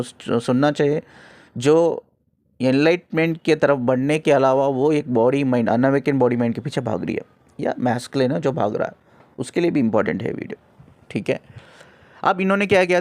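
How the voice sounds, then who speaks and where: A man's voice: medium pitch, a little mellow, no room sound. A man working as a spiritual counselor, telling a client's story earnestly and acting out the quoted calls. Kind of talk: spoken storytelling talk.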